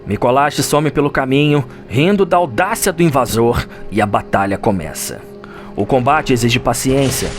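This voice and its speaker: A man with a Brazilian accent, giving dramatic scripted narration of a fantasy game story. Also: medium pitch. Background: music.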